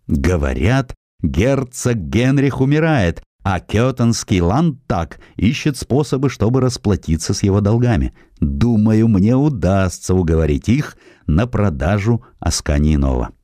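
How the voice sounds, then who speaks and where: Guy playing steady determined farmer in an audiobook, low dark voice, sure of himself. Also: a little slow, no room sound, clean studio sound. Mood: eager, confiding. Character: determined, self-reliant male colonist sheep farmer. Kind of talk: dramatised audiobook acting.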